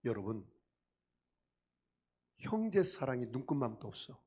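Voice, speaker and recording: A man's voice: medium pitch, sing-song, unhurried, a little mellow, husky. A male pastor delivering a sermon emphatically, often asking his congregation rhetorical questions.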